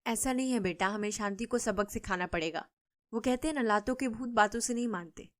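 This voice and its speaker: A woman voicing a gentle, worried older mother-in-law who answers softly and defensively in a cartoon story. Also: on the high side, brisk, close to an everyday voice. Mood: resigned.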